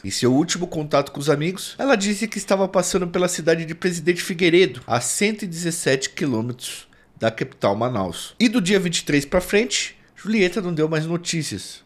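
A man in his thirties hosting an online history channel, speaking earnestly to viewers in a small studio with a close mic. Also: on the high side. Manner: earnest, addresses viewers as "galera". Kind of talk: presenting a YouTube news segment. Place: small indoor studio set. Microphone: podcast mic on stand close in front.

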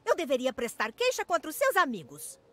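A woman's voice: high-pitched, wildly swooping pitch, brisk, fairly bright tone, full character voice. A woman with a Brazilian accent voicing a bossy, scolding suburban mother in a dubbed cartoon game. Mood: angry, scolding. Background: game music.

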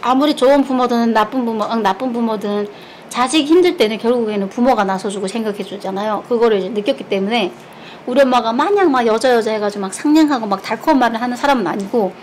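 A woman's voice: fairly high pitch, fast, a little mellow, slight background noise, rough recording. A woman from Korea, chatting candidly while eating and telling stories frankly, with laughter and blunt words. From North Korea. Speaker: mukbang streamer.

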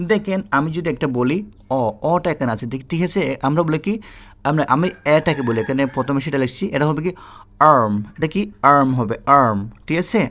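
Bangladeshi guy teaching english sounds, repeats everything, keeps asking viewers if they got it. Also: a little high. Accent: Bangladeshi Bengali. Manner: repetitive, checks in with "ঠিক আছে?"; addresses viewers directly. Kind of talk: spoken English lesson.

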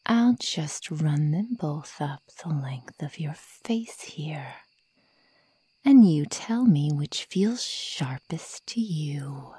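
A woman voicing a sadistic young female werewolf in a slow ASMR roleplay, whispery and breathy, taunting and menacing her prey. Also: deep voice, animated, warm tone, no room sound, heavily acted. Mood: cruel, playful. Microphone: close microphone, dry.

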